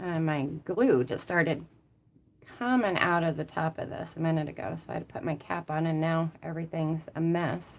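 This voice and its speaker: A woman's fairly low voice, a plain, everyday voice, with ordinary pitch variation at a moderate pace. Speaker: crafting youtuber. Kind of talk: tutorial. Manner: casual, thinking aloud.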